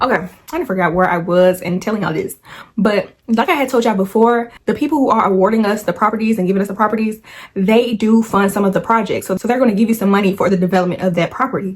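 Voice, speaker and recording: This woman talks at a very fast pace. Her voice is somewhat breathy. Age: 20s. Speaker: vlogger and real estate developer. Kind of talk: casual vlog talk to camera.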